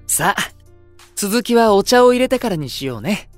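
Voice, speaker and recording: A man playing a gentle, pure-hearted younger twin in a voice drama, speaking softly and coaxingly. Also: high voice, big pitch swings, moderate pace, faint music behind. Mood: gently coaxing. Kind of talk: Japanese voice drama acting.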